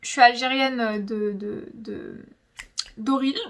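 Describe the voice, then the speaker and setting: Speaking slowly in a fairly high, gravelly voice, a young YouTube host, francophone and of Algerian descent, tells stories casually in her vlog. She's dramatic and emphatic, frequently repeating words for effect.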